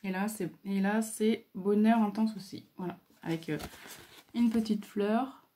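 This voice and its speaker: A woman hosting a casual craft video, talking hesitantly with many fillers and pauses as she admires what she shows. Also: medium pitch. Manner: admiring, soft-spoken. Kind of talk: casual show-and-tell.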